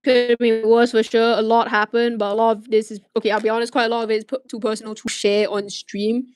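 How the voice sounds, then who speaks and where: Malaysian teen girl streaming, kinda high voice, rambly, lots of restarts and cussing. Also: level tone, fast, darkish tone, clear, resonant tone. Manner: rambling, frequent restarts and swearing. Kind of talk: casual chat answering viewer questions.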